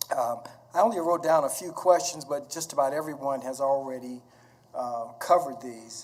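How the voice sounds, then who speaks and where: With an American accent, a man speaks at a moderate pace and a fairly high pitch, with ordinary pitch variation, in an ordinary speaking voice. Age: 60s. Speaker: resident speaking at public hearing. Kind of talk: public comment at hearing. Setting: public hearing meeting.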